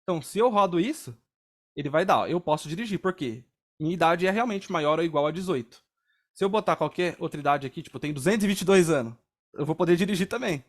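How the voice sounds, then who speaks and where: A young man with a Brazilian Portuguese accent leads an online programming class. His voice sits high for a man. He talks casually and explains each step, often pausing to ask whether students are following. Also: animated. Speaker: programming instructor. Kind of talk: live coding class.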